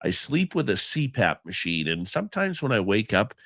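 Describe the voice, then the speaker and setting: A man's voice: fairly low pitch, big pitch swings, normal speed, fairly bright tone, dry recording, clean studio sound. A congested, just-woken-up man hosting a live radio stream, chatting loosely and greeting his viewers by name. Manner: rambling, chatty, affectionate with viewers. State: congested, stuffy nose. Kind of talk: casual live show chat, reading out chat names.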